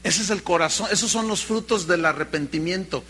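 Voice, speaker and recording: A man with a Mexican accent preaching a sermon, telling stories in an animated way and calling his listeners brother. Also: high voice, brisk, slight background noise. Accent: Mexican Spanish. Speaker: pastor.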